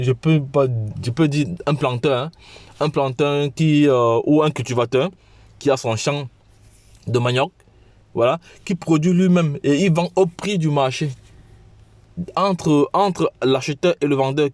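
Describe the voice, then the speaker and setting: Man, medium pitch, dry close sound, has a cold, informal sales pitch, repetitive halting delivery. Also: a little mellow, no echo. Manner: halting, repetitive, with frequent restarts. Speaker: crypto channel host and promoter.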